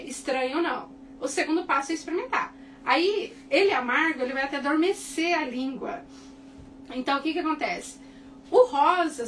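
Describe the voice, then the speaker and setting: High-voiced Brazilian woman teaching cake decorating. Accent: Brazilian Portuguese. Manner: chatty, animated, repeats tag questions like "tá?" and "né?". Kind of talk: casual tutorial talk to viewers. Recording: distant mic with faint background noise.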